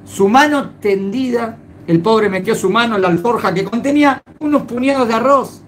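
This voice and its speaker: A woman's voice: a little high, moderate pace, slight background noise. A woman telling a moral folk tale in a casual way, laughing and restarting as she goes. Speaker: storyteller. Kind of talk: casual oral storytelling with a moral.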